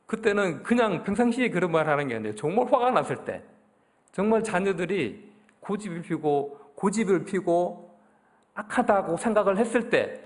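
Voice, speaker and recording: A middle-aged man with a Gyeongsang accent preaching a conversational sermon to his congregation, often putting questions to them. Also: high-pitched. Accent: Daegu Gyeongsang Korean. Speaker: pastor. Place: church sanctuary.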